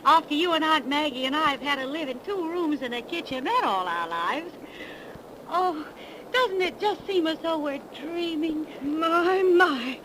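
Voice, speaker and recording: A gushing, excited young woman on 1930s radio. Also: sits high, a little slow. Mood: delighted. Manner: gushing, breathless enthusiasm. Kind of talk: 1930s radio drama acting. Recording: hissy 1930s radio broadcast recording.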